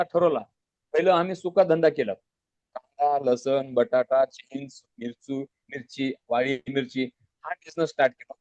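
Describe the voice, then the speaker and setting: Man, earnest storyteller, slightly high voice, dry dull lo-fi sound. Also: no room sound. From Maharashtra, India. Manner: earnest, plain-spoken, with many restarts and repetitions. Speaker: guest business owner. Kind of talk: casual storytelling interview. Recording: dull lo-fi audio.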